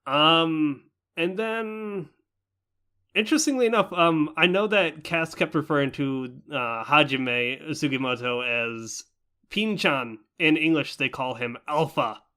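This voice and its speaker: A man's voice: a little high, a little slow, sharp tone. A young man co-hosting a casual anime review podcast, talking in a rambling way with many fillers. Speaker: podcast co-host.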